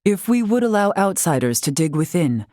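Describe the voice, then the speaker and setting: Brief: dignified older female tribal chief in a fantasy game. Low register, stately old-fashioned phrasing, dry studio sound. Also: sing-song, warm tone, dry recording. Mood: calm, explanatory. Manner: formal, archaic, measured, stately diction. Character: dignified older woman, wise tribal leader and warrior. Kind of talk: scripted video game voice acting.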